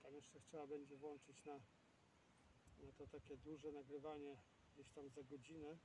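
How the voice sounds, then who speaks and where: A man's voice: on the high side, level tone, normal speed. A man, a fishing vlogger, talking casually to himself outdoors in short, rambling fragments. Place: outdoors at a fishing spot, windy. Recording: noisy outdoor recording, far from the mic.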